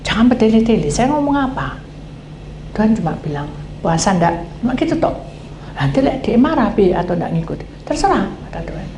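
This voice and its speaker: Woman pastor, storytelling sermon, warm dark tone, faint hiss on the recording. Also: medium pitch, brisk. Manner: acts out quoted dialogue, animated. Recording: echoey hall, faint noise.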